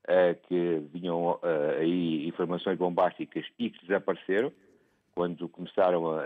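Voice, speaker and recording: Deep-voiced man on a phone line. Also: no echo. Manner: hesitant, many fillers and restarts. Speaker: phone-in caller. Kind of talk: call-in opinion.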